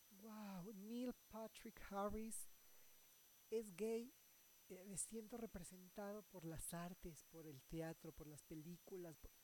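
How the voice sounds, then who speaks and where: At a very slow pace, a man speaks in a high pitch. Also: ordinary pitch variation. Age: 20s. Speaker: podcast host. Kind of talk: personal monologue.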